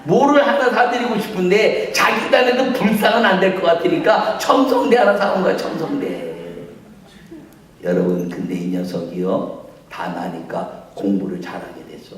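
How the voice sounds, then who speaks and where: A male pastor delivers a sermon in a large church, his voice a little higher than most men and full of swings in pitch. He acts out stories with sudden loud, high voices, then drops into low, quiet asides. The sound rings with heavy echo and comes from a mic some way off. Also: animated, moderate pace. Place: church sanctuary. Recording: echoey church hall, mic at a distance.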